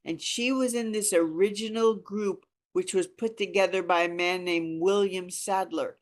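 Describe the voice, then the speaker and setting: A woman's voice: medium pitch, fairly even intonation, moderate pace. A woman in her sixties talking informally and earnestly to a discussion group, with emphatic phrasing. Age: 60s. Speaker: reading group leader.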